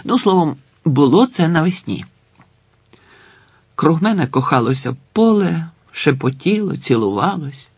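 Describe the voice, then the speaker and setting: A man's voice: a little high, sing-song, a little slow, slightly rough, no echo, pitched above the performer's own voice, exaggerated voice. A man voicing a prisoner storyteller who speaks confidingly and wistfully to his listeners. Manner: confiding, wistful direct address.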